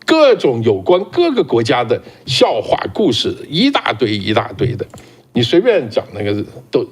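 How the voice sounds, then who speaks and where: A man co-hosting a casual political talk show, speaking in an animated way and often repeating words as he starts a sentence. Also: medium pitch, normal speed, breathy edge.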